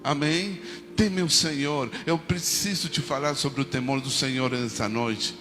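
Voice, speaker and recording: A man's voice: mid-range voice, measured pace, in a large hall, music in the background. A man from Argentina who speaks Spanish natively, preaching a sermon with an Argentine Spanish accent and leading the congregation in prayers and responses. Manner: preaching with call-and-response prayers and frequent "amém". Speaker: pastor.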